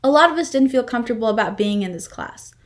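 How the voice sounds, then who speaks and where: A woman's voice: fairly high pitch, lively intonation, fast. A young adult woman performing a scripted first-person monologue in a reader's theater style.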